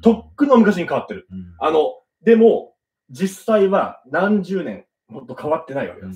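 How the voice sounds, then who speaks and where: A man speaks at a high pitch and a moderate pace with lively intonation and big swings in loudness. The background is quiet, with audible room echo. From Kyushu, Japan; Japan. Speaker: actor; guest actor. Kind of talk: live-stream interview. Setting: live stream. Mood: indignant about industry harassment. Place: studio.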